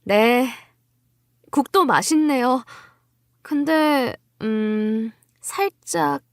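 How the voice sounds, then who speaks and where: A woman playing a wary, quietly cunning young wife, telling her story in scripted first-person narration with composed politeness. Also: on the high side, very slow, no echo, studio quality. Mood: feigned innocence.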